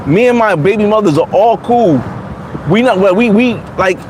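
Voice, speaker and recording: Man in his 40s, high voice, blunt, restarts often, casual chat, faint traffic noise outdoors. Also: lively intonation, moderate pace. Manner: blunt, repetitive, many restarts. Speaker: vlogger. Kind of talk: casual livestream chat reading comments.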